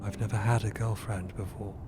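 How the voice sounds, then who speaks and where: A man playing a calm, blunt, enigmatic space explorer in an audio drama, speaking with deadpan certainty. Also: lowish voice, a little fast, faint music behind, close to an everyday voice. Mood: calm, frank.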